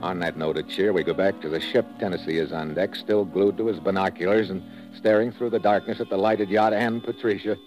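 A man's voice: deep voice, fairly even intonation, fairly quick, hardly any pauses, natural voice. A man acting as a tough, wry American secret agent in a 1950s radio drama, with clipped hard-boiled narration. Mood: tense narrating. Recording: muffled old radio recording with music.

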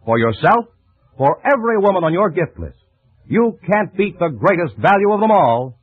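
Animated American old-time radio announcer. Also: male voice, sits high, moderate pace, breathy edge, no echo. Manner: polished, promotional, emphatic. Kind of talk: 1940s-style radio commercial announcing. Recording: tinny old radio broadcast.

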